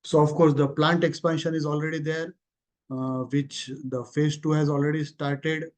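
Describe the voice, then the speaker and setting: A man's voice: a little high, little pitch movement, moderate pace. A man with an Indian accent giving a company results presentation as an executive on a conference call, speaking informally. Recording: muffled, lo-fi conference call audio.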